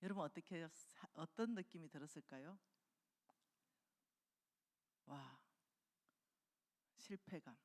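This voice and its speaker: A woman preaching a revival sermon in a church, telling the story with lively acted-out dialogue. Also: low-pitched, slow pace, pauses often. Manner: animated storytelling, acting out quoted dialogue. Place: church sanctuary. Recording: long hall reverb.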